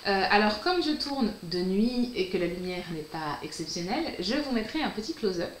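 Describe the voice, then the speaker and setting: A woman's voice: mid-range voice, animated, moderate pace. An upbeat woman chats through a casual fabric unboxing vlog at home. Her voice sits in the middle of the usual range. The room gives it a noticeable echo, and a faint hiss runs underneath. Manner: bubbly and enthusiastic, often says she is delighted. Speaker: sewing vlogger and host. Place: at home, filming at night.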